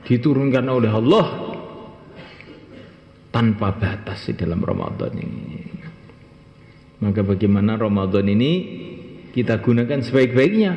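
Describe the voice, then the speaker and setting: Man preaching in an echoey hall. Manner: emphatic, stretches key phrases slowly, pitch leaps on exclamations. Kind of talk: Ramadan sermon to a congregation. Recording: echoey hall, dull lo-fi sound.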